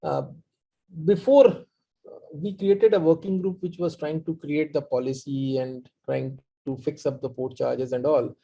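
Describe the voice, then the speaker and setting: A man with an Indian accent explaining his work as a panelist in a halting, presentational way. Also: a little high, steady tone, dark tone. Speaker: panelist, community organizer. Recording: dull, muffled online-call audio.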